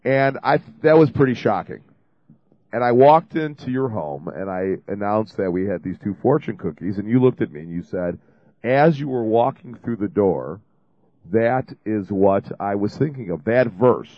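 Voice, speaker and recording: A man's voice: lowish voice, lively intonation, normal speed, no room sound, lo-fi sound. A man hosting a call-in radio show, talking in a chatty, rambling, jokey way while he has a cold. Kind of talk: casual call-in radio talk. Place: radio studio.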